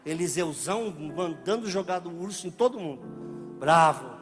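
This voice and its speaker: A man with a Brazilian Portuguese accent preaching a sermon as a joking, animated story, acting out the dialogue as he goes. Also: high voice, moderate pace. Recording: reverberant hall with music behind.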